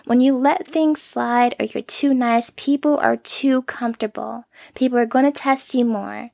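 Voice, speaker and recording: A young woman hosting a solo podcast, talking in a soft, earnest, self-reflective way into a close mic. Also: on the high side, steady tone, unhurried, creaky, dry recording. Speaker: podcast host.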